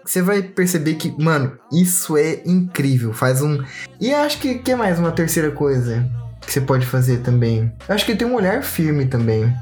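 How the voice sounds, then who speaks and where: A man with a Brazilian accent, chatting casually as a podcast co-host, slangy and animated, often mimicking voices for a joke. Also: on the high side, normal speed, soft background music.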